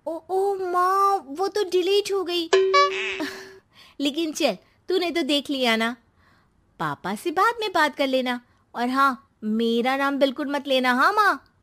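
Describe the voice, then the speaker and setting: A woman's voice: sits high, takes it slowly, a bit bright, faint music behind. A woman voicing a scheming young daughter in a cartoon who wheedles and manipulates her mother. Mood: wheedling. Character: scheming young woman plotting to seize family home.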